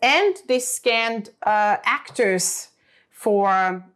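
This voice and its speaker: A woman's voice: medium pitch, drawn-out words, fairly bright tone. A middle-aged woman whose first language is German, telling stories in a casual, chatty way, full of fillers and restarts. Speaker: interview guest. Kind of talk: casual storytelling.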